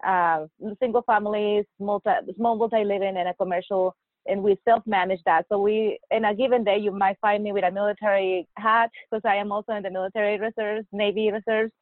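A woman's voice: mid-range voice, fairly even intonation, a little fast, dry recording. Woman, 40s, hesitant, laughing, narrow phone-like audio. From Mexico. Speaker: guest, nurse anesthetist. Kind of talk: podcast interview. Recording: dry tinny phone-like line.

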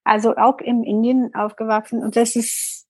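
A woman's voice: a little high, flat delivery, moderate pace, a little mellow, slightly rough, dry recording, poor audio. A middle-aged woman with an Indian accent, a guest in an interview, speaking thoughtfully and searching for words. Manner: thoughtful, searching for words, mixing in English phrases. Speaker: interview guest, yoga teacher. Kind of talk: interview conversation.

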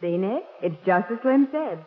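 A woman's voice: mid-range voice, animated, normal speed, narrow, tinny audio, natural voice. An actress playing a plucky, skeptical woman who assists a private detective in a 1940s radio crime drama. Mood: curious, skeptical. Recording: thin, hissy vintage radio recording.

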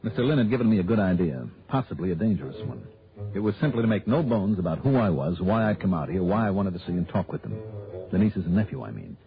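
A man's voice: low voice, very animated, quick pace, creaky, loud music behind the voice, heavily acted. An actor playing a wry, skeptical male insurance investigator who also narrates in first person, in 1960s radio drama style. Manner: dry, wisecracking, skeptical. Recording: tinny old radio broadcast.

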